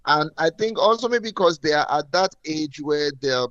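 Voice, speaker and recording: A man's voice: on the high side, lively intonation, normal speed, a bit bright, no echo, muffled recording. A man hosting a radio show, chatting casually and often repeating his own phrases. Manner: friendly, repeats himself, laughs often. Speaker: radio host. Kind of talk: casual on-air chat.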